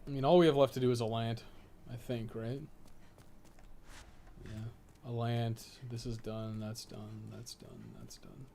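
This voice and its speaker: A man's voice: medium pitch, level tone, a little slow, gravelly, pauses often, mellow, a little hiss or hum. A man giving casual, rambling, sweary gameplay commentary as a streamer. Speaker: game streamer and podcast co-host.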